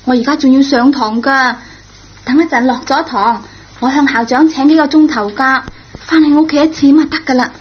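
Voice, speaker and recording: A woman's voice: sits high, fairly quick, a little hiss or hum, close to an everyday voice. A woman playing an earnest, anxious young schoolgirl in a radio drama. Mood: eager, persuasive. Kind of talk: Cantonese radio drama acting. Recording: dull, lo-fi old radio recording.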